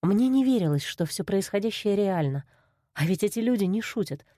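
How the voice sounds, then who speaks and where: A woman's voice: medium pitch, expressive, moderate pace, mellow, dry recording, clean studio sound. Woman narrating an audiobook expressively. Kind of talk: first-person audiobook narration.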